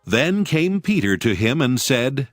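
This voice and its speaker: A man's voice: medium pitch, sing-song, unhurried, faint music behind. A man narrating scripture as part of a dramatized Bible reading.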